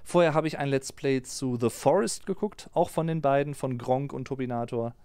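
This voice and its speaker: Man in his 30s, stream host, relaxed and chatty, dry close mic. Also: mid-range voice, normal speed, smooth, no room sound. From Germany. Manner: relaxed, chatty, reads out viewer comments. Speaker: streamer reading and answering live chat. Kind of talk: casual live-stream chat. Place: small home streaming room. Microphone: close desk mic on a boom arm.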